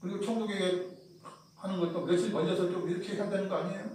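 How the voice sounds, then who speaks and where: High-voiced pastor preaching in a church. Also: male voice, fairly even intonation, fast talker, darkish tone, slight background noise. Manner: conversational preaching, acts out quoted voices. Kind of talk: sermon. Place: church sanctuary. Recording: roomy church sound, mic at a distance.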